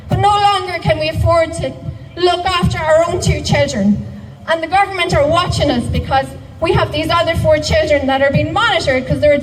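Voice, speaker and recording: A woman's voice: extremely high pitch, recorded from a distance, poor audio. A woman giving an impassioned protest speech in a town square, putting rhetorical questions to the crowd. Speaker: rally speaker.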